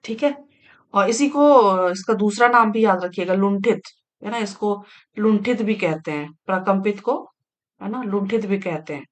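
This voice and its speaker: A woman teaching an exam-prep grammar lesson, patient and repetitive, often checking in with listeners. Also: medium pitch. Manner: slow and patient, frequent tag questions and fillers.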